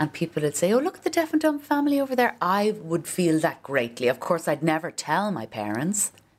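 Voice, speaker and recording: A woman talks at a fairly quick pace with a Dublin accent. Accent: Dublin Irish. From Ireland, Dublin. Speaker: visual artist. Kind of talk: interview.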